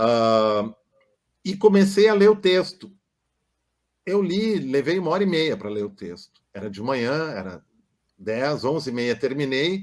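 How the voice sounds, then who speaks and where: Fairly high pitch for a man, with very wide pitch swings, big swings in loudness, a fairly slow pace and long, frequent pauses. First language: German (speaking Portuguese). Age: 60s. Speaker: psychoanalyst. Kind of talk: interview conversation.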